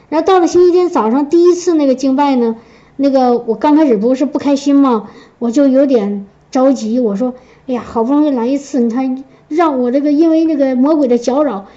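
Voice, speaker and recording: A woman's voice: high voice, dark tone. A middle-aged woman telling a personal church testimony in a chatty way, with many restarts. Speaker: church member giving testimony. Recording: dull lo-fi recording.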